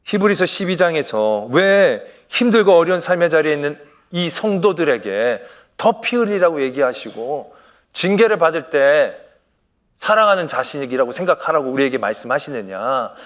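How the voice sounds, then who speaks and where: A man's voice: fairly high pitch, sing-song, moderate pace. A male senior pastor giving a Sunday sermon, telling a story and acting out quoted lines with humor and rising emphasis. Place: church sanctuary.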